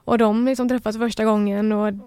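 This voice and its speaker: A woman's voice: fairly high pitch, clean tone, no echo. A woman guest telling a personal story in casual chat, acting out the people she quotes. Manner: lively retelling, acts out quoted voices. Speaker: podcast guest.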